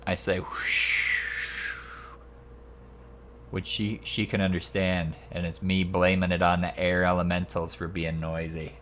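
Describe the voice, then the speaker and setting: A man's voice: deep voice, level tone, normal speed, hardly any pauses. A man playing a tabletop role-playing game, talking casually about his moves and rolls. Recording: faint background noise.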